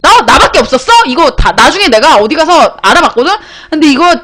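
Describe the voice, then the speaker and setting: High, fast-talking young woman storyteller. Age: young adult. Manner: animated, swears freely, breaks into loud bursts. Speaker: internet broadcaster. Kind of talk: casual storytelling to viewers.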